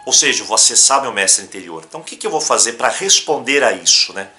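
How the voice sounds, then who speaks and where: Animated Brazilian man teaching over music. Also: medium pitch, fast talker. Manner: animated, emphatic, breaks into demonstrations. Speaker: self-help teacher. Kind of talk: instructional talk to camera.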